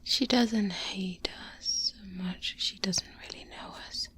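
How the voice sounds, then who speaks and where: A woman playing a seasoned vampire hunter, a calm and protective mentor, in a soft-spoken ASMR roleplay, hushed and breathy, close to the microphone. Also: medium pitch, lightly acted. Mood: grave, reflective. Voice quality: breathy, whispery. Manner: slow, deliberate, hushed, with long pauses. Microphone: close-up binaural microphone.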